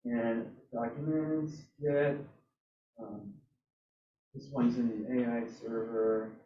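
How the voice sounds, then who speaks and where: Male club presenter, casual and halting, thinking aloud, recorded roomy and off-mic. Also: medium pitch, flat delivery. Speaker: presenter at a robotics club meetup. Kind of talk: casual live software demo. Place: indoor hybrid club meeting, away from mic. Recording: roomy, distant, dull meeting-room sound.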